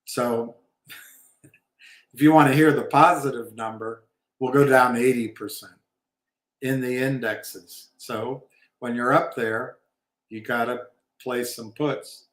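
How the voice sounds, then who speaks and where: A man's voice: mid-range voice, fairly even intonation, takes it slowly, long pauses. A man hosting a casual livestream about markets, rambling and opinionated with wry asides. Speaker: livestream host. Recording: roomy echo.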